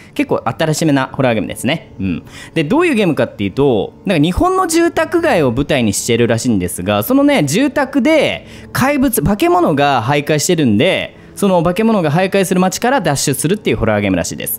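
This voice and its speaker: Music plays behind a man whose speech moves along fairly quickly. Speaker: horror game streamer. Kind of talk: game commentary.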